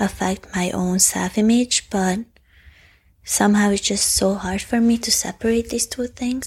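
A woman with a Hungarian accent, medium pitch, somewhat breathy voice, very slow pace and fairly even intonation, on a very clean recording with a silent background. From Hungary. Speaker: art student. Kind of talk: interview conversation. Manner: halting.

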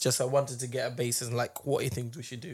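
On a very clean recording with a silent background, a man speaks in a somewhat breathy voice at a medium pitch. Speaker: podcast host. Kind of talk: casual banter podcast. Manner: animated, joking.

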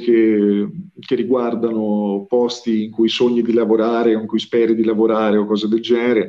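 This is an ordinary speaking voice, moving at a moderate pace. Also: man. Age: young. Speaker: professional wrestler. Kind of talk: interview.

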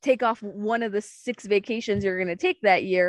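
Against a quiet background, a woman speaks at a fairly slow pace with lively intonation and a dry, close sound with no echo. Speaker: podcast co-host. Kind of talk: casual chat. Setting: outdoors by a lake.

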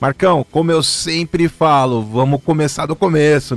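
A man with a normal speaking voice talks at a fairly slow pace, his fairly high pitch varying in an ordinary way. The sound is dry and close, with no echo. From São Paulo state interior, Taubaté. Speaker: podcast host. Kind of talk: casual interview chat.

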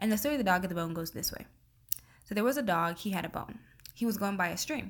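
Talking at a very fast pace, a woman sounds animated, with lively intonation. Her medium-pitched voice shows vocal fry. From Jamaica (Kingston). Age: 20s. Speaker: podcaster, college student. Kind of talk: casual monologue.

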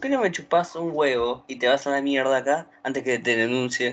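Fairly high male speech with ordinary pitch variation, delivered at a moderate pace. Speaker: podcast co-host. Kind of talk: casual chat.

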